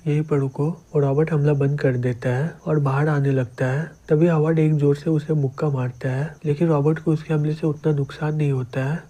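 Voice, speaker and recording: A man narrating a comic story as an explainer, in a steady recap delivery. His voice is very dark and mellow, sits somewhat high, and barely moves in pitch.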